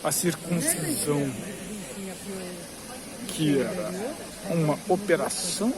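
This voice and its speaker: A man's voice: on the high side, animated, takes it slowly. A man with a Brazilian Portuguese accent gives rambling, informal commentary as a vlogger, explaining at length and repeating himself for emphasis. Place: among a crowd in a queue outside a cathedral. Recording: busy crowd noise with hiss. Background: crowd chatter.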